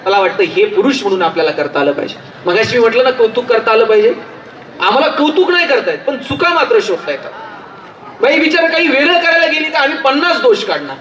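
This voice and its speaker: A motivational speaker with a Marathi accent addresses a live audience, telling humorous anecdotes in an emphatic storytelling style. His very high, fairly bright voice is fast and very animated. The distant mic in a roomy hall picks up slight background noise and a faint crowd.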